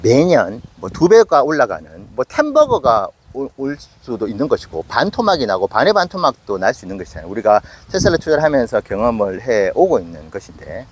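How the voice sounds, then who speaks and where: A man's voice: mid-range voice, sing-song, fairly quick, hardly any pauses, slightly rough. A man in his late forties hosting an investment channel, talking casually and acting out his viewers' doubts. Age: 40s. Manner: conversational, self-questioning with acted asides. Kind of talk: casual investing talk to camera.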